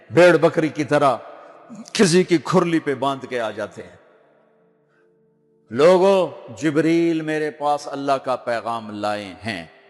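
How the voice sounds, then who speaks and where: Music plays in the background. A man speaks in a fairly high pitch. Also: lively intonation, big swings in loudness. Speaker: Islamic preacher. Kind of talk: religious sermon.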